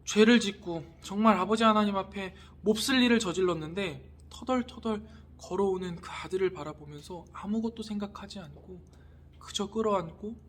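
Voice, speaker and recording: A man in his thirties, a youth pastor, giving an earnest sermon to teenagers with gentle, polite appeals. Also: high-pitched, slight background noise.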